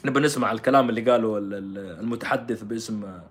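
A man's voice: fairly low pitch, fast, slight background noise. A man giving scornful, rhetorical political commentary. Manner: scornful, rhetorical, jumps between loud and quiet.

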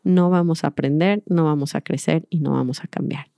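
Warm low-voiced woman. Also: steady tone, brisk, gravelly, dry recording, clean studio sound. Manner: earnest, acts out little dialogues. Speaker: speaker on mindful parenting. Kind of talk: reflective talk to an audience.

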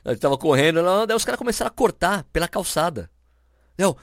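A man's voice: high voice, quick pace, no room sound, studio quality. A man with a Brazilian accent, telling anecdotes in casual chat on a podcast and acting out the people he quotes. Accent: Brazilian Portuguese. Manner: animated, acts out quoted people. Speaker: podcast host.

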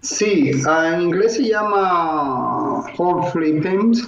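A man from the Dominican Republic, a mortgage broker and investor, explaining slowly in an interview with many filler sounds. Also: high-pitched, lively intonation, fairly bright tone, a little hiss or hum. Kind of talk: interview answers. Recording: roomy, dull lo-fi sound.

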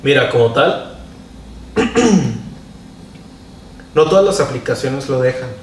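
A man's voice: mid-range voice, animated, slow pace. A young man with a Mexican accent, co-hosting and confidently giving advice in slangy casual chat. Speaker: co-host. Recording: roomy, distant mic, faint noise.

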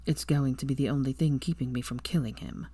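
A protective, possessive young male wizard in a storybook reading, his lines low and hushed, as a woman narrator puts him on. The voice sits deep, with a close, dry sound. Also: fairly even intonation, a little fast, breathy edge, dry recording.

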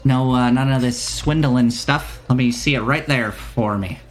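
A man's voice: mid-range voice, a little slow, close to an everyday voice. A man voicing a shifty, greedy male potion shopkeeper in a tabletop game, with a put-on accent that keeps slipping as he stalls for answers. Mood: wary. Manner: stalling and hesitant.

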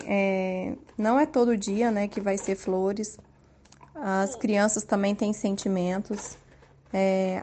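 A woman in her thirties with a Brazilian Portuguese accent, calmly sharing parenting tips from her own home life in an unhurried, soft-spoken way. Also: medium pitch, slight background noise. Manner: soft-spoken, unhurried, frequent tag questions. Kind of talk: calm personal testimony.

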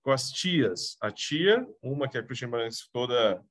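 Here a Brazilian man co-hosting a podcast talks through an episode of a TV show in a relaxed, chatty way, with the occasional cough. His mid-range voice is expressive and fairly bright, delivered at a moderate pace in a dry recording. The accent is Brazilian Portuguese.

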